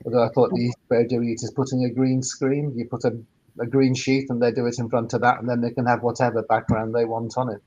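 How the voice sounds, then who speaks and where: A man's voice: mid-range voice, flat delivery, fast, a little mellow, dull audio. A man speaking informally as an expert panellist on a webinar, often repeating words as he explains. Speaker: expert panellist, sound engineer.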